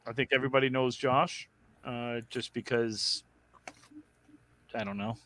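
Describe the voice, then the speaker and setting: Bright-voiced man hosting a podcast. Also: medium pitch, steady tone, a little slow. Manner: rambling, fillers, self-deprecating. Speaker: podcast host. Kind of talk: casual podcast chat.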